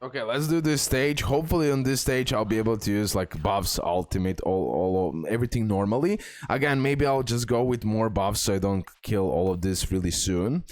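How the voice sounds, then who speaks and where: A man giving casual, excitable gameplay commentary, repeating words and talking straight to his viewers. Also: lowish voice, dry recording. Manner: excitable, repetitive, addresses viewers directly. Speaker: gaming content creator, host. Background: music.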